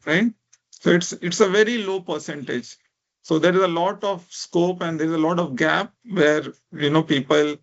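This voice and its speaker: Indian guy teaching an online class, non-native english with indian accent, gravelly fry in his voice, slightly muffled audio, says right and you know a lot. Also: fairly high pitch, fairly bright tone. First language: a minority language of India. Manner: informal, encouraging, repeats "right?" and "you know". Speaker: lecturer, speech technology researcher. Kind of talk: interactive online lecture.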